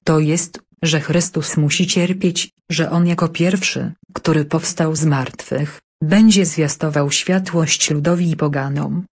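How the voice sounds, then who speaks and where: A woman reads scripture aloud in an even, measured way. Her voice sits low and has a husky edge. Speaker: scripture reader. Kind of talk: scripted Bible reading and study narration.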